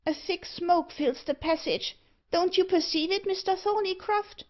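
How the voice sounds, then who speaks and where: A woman voicing a small, brisk, cocky old male dwarf in a storybook. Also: very high-pitched, voice pushed up. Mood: uneasy wonder. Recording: dull, lo-fi audio.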